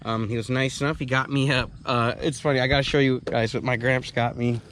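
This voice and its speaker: A man's voice: medium pitch, steady tone, brisk, a bit bright. A man in his thirties hosting a casual vlog-style chat. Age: 30s. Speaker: host. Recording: faint background noise.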